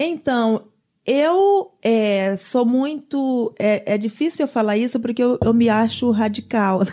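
A fairly high-pitched woman's voice, dark and mellow in tone, with lively intonation, very even loudness and a very slow pace. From Brazil, Maranhão (Caxias). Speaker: sex worker activist. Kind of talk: interview.

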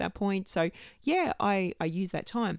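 Ordinary pitch variation from a woman with an Australian accent. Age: 40s. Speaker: podcast co-host. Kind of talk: casual chat.

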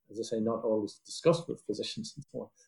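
Lively intonation marks a man's somewhat breathy speech. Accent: Irish. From Ireland. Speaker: physician and professor. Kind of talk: interview. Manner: hesitant, many fillers.

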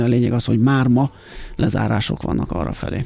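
At a fairly quick pace, a man with an unremarkable speaking voice talks in a medium pitch with fairly even intonation. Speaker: radio host. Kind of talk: morning radio show, interviewing. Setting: radio studio.

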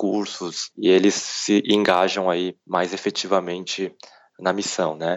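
A man's very deep, low voice, monotone and flat, at a very slow pace. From Brazil (Korean-born, arrived age 4). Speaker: missiology professor and pastor. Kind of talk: interview, lecture-style explanation.

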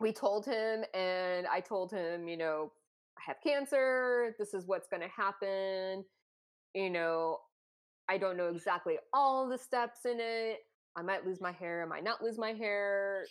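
A plain, everyday voice with ordinary pitch variation, at a fairly slow pace against a quiet background. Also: woman, medium pitch for a woman. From North Carolina. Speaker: breast cancer survivor and guest co-host. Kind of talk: casual chat.

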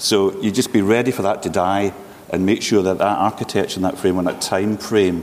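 Over noticeable background noise, a man talks in a very deep, low pitch with ordinary pitch variation. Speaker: technology executive. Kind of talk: live panel discussion. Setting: stage with audience.

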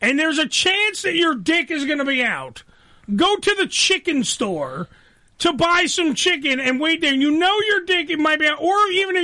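Raised and projected, this man's voice sits at an extremely high pitch with a bright, sharp tone, ordinary pitch variation, very even loudness and a moderate pace. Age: 40s. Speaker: radio show host. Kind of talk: casual chat; reading news stories aloud. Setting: studio. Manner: animated.

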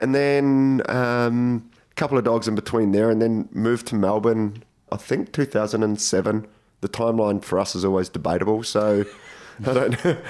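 A man with a New Zealand accent at a medium pitch and moderate pace, with ordinary pitch variation and very even loudness. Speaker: dog trainer. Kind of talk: casual interview chat. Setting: room at home, studio-style.

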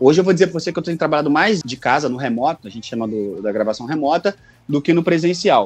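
His intonation is lively, and this man's pitch sits fairly high. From Rio de Janeiro, Brazil. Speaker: fandub producer and singer. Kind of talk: casual chat.

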